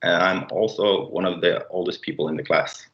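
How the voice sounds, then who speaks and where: A man in his late twenties from Denmark, opening and hosting a student livestream in a casual, halting way with many fillers. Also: sits low, steady tone, fairly bright tone. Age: late 20s. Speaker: student presenter. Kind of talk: livestream presentation. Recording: dull roomy sound.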